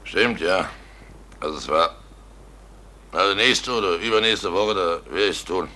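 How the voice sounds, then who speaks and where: Troubled village innkeeper in a radio play, very low and sharp-edged in voice. He grumbles wearily and haltingly, with faint noise behind him. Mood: resolving, weary. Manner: halting, weary. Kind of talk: German radio drama acting.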